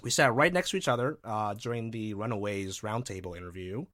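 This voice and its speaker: A man hosting a podcast into a studio microphone, relaxed and halting with lots of ums. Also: fairly low pitch. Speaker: podcast host. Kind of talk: casual chat.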